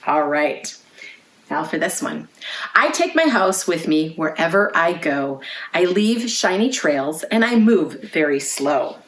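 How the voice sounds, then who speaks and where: A woman hosting a children's storytime, reading aloud in clear phrases and putting questions to young listeners. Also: deep voice, very animated, slow pace. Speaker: children's librarian, storytime host. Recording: roomy, echoey indoor sound.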